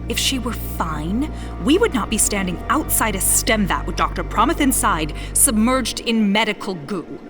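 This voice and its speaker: A woman's voice: mid-range voice, sing-song, moderate pace, lightly acted. Actress as imperious female official, stern, formal, scolding, audio drama, music underneath. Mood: reproving. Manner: formal, reproving.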